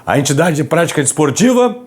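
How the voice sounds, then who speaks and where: Hoarse, soft-spoken man with lively pitch. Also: quick pace. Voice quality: hoarse, raspy. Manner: speaking softly. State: voice strained, recovering from a throat problem. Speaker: sports commentary host. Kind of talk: football news commentary to viewers.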